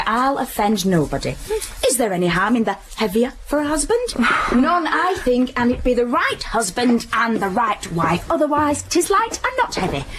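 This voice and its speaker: Cheeky witty maid, woman playing her, bouncy voice, little bit of hiss. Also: on the high side. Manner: teasing, bawdy and quick-witted. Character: witty teasing young waiting-woman. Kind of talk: Shakespeare audio play.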